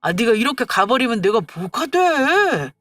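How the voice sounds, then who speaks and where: A woman's voice: on the high side, very animated, moderate pace, fairly bright tone, no room sound, clean studio sound, faint music behind. A woman voicing a petulant young husband who scolds and whines in an exasperated way.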